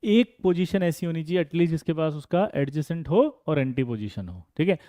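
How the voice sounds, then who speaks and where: A man teaching a lively online chemistry lesson, teasing students by name and firing off quick prompts. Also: fairly high pitch, no room sound, studio quality. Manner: playful, teasing students by name, rapid "jaldi batao" prompts. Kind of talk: energetic online exam-prep lesson.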